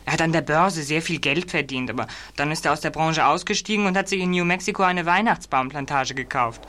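Eager teen boy detective, sharp bright voice, teasing, old radio play style. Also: on the high side, fairly quick. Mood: eager, earnest. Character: Peter, excitable teenage boy detective. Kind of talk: 1980s German audio drama acting.

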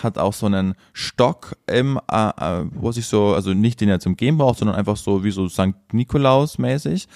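Lively lower-voiced man telling stories. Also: no echo, studio quality. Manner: animated storyteller, many restarts. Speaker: podcast co-host. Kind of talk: casual chat.

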